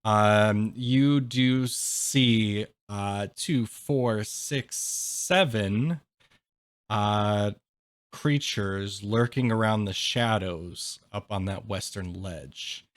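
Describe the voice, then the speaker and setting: A man with a lowish voice runs a tabletop game at an unhurried, slow pace. He explains the scene casually, halting and feeling his way through it. The recording is close and dry. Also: no echo. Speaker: game master.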